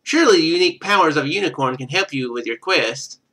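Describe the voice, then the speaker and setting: Bright-voiced, animated man reading a game aloud. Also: a little high, fast talker. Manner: wry, sarcastic asides. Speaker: game streamer. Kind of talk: live let's play, reading game text aloud with casual commentary.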